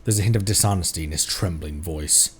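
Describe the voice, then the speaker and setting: A man's voice: sits low, a little fast, a crowd in the background. A man streaming a game, reading dialogue aloud and cracking jokes as he laughs along. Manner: joking, reads dialogue aloud, laughs often. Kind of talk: casual gameplay commentary.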